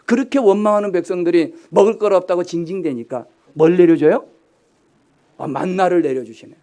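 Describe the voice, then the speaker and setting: High-voiced Korean pastor preaching. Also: male voice, fairly quick, warm tone. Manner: dynamic preaching, rising to emphatic high exhortations then dropping low; conversational asides with rhetorical questions to the congregation. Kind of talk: sermon.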